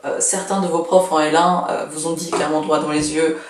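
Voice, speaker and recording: A woman's voice: low-pitched, level tone, brisk, a little hiss or hum. Twenty-something woman, chatty and blunt, echoey room, sounds a bit far from the mic. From Russia. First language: Russian. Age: 20s. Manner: chatty, frank, lots of fillers. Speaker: vlogger. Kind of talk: casual advice vlog.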